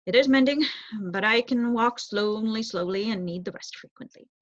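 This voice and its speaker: A woman voicing a cordial, weary old male white mouse with a measured, reassuring manner in a storybook. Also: fairly high pitch, close to an everyday voice. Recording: roomy echo, dull muffled sound.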